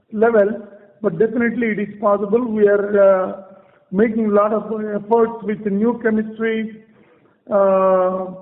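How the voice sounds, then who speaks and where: High-voiced Indian man, heavily reverberant line. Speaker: company executive answering analysts. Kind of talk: earnings call answers. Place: conference call. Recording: muffled conference line with long reverb.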